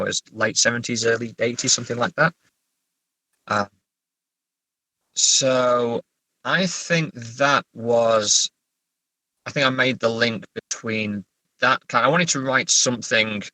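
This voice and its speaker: A middle-aged man, a guest writer talking about his own story, chats casually in an interview, hesitant and self-deprecating and often stammering. His mid-range voice sounds pushed and bright. The recording is dry with no echo and poor audio quality.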